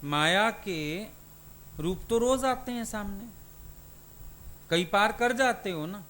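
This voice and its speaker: A man's voice: high voice, slow pace, a bit bright, a little hiss or hum. A man, a spiritual teacher, giving a satsang sermon and putting questions to his listeners.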